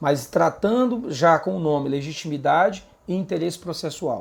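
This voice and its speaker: The speaker is a man. His pitch is fairly high. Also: very clean recording, silent background. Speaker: law professor. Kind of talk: recorded lecture. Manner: fast.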